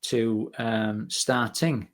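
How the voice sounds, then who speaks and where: A man hosting a conversational interview, chatty and a little hesitant, softening his questions with tags. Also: on the low side, flat delivery, drawn-out words. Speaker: interviewer, host.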